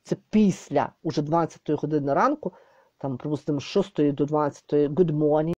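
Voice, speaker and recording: A woman teaching as a tutor, slowly repeating example phrases and then translating each one. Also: sits low, dark tone, no echo. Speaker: English tutor. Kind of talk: casual recorded lesson. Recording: dull lo-fi dry recording.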